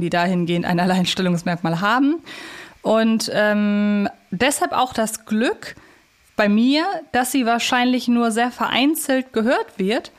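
A woman hosting a casual review podcast, wordy and opinionated, carefully qualifying her points. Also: medium pitch. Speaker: podcast host. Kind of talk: casual review chat about audio dramas.

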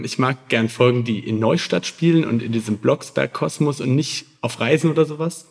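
A man's voice: mid-range voice, gravelly. A man chatting casually as a podcast guest, sharing his opinions.

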